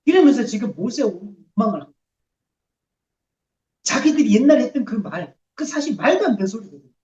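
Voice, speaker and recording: A woman's voice: fairly high pitch, sing-song, brisk, mellow. A woman preacher giving a sermon in a church, in a casual, confessional way with many filler words. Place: church sanctuary. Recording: roomy church hall, distant mic, dull sound.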